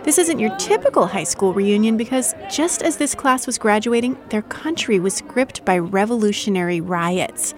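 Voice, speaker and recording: A woman news anchor reading a crisp, steady scripted introduction. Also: medium pitch, normal speed, few pauses.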